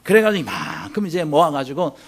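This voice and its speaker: A man preaching a sermon, telling a story with lively acted-out dialogue. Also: a little high, brisk, husky. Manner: animated storyteller acting out quoted dialogue. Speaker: pastor.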